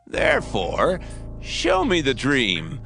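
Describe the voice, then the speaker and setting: A man's voice: mid-range voice, huge pitch swings, takes it slowly, gravelly, fairly bright tone, exaggerated voice. An actor playing a proud, threatening king in a dramatized scripture reading, declaiming imperiously, with music behind him. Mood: menacing.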